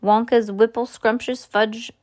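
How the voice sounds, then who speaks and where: Woman reading an excited old grandpa in a kids' book, all enthusiasm. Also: on the high side, a little slow, close to an everyday voice. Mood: eager. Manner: eager, emphatic. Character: fond old grandfather, eager and warm.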